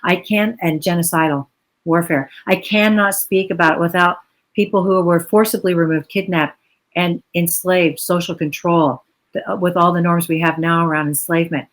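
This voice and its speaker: A woman with a slightly low voice joins a virtual panel over a video call. She speaks earnestly and reflectively, in long flowing explanations. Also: steady tone, moderate pace, low-quality recording. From United States.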